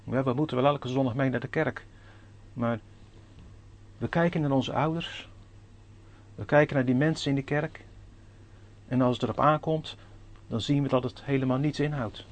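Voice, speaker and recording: With a medium-pitched, steady voice, a man preaches at a moderate pace, leaving long pauses. His scripture readings are in old-fashioned formal Dutch, and he earnestly questions the congregation.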